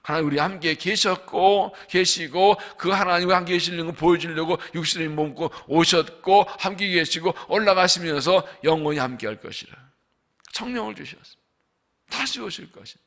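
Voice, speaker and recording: A man preaching as senior pastor at a dawn revival service in a church, emphatic, asking the congregation questions and slowly stressing scripture lines. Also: high voice, a bit bright. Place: church sanctuary.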